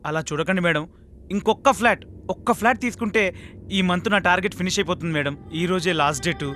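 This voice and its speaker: A man's voice: high voice, fast talker, pushed and bright, a little hiss or hum. An actor playing a desperate, pushy real estate salesman in a comic film, who wheedles and pleads with a customer and rants in asides. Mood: pleading.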